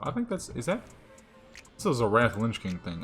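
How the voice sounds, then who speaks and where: A man's voice with music in the background. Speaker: gaming youtuber. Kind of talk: gameplay commentary. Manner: animated; slurred words.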